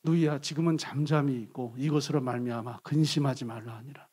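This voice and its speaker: A man voicing a brooding young prince in a sermon retelling, speaking low and hushed with intensity and a husky tone. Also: fairly even intonation, brisk, lightly acted. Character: brooding young prince, grieving brother plotting revenge.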